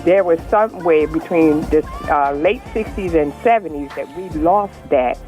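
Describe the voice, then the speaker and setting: A woman's voice: low-pitched, moderate pace, darkish tone, faint music behind, rough recording. A woman in her sixties calling in to a radio show, earnest and rambling, often restarting her sentences. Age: 60s. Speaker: caller. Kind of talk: casual call-in chat.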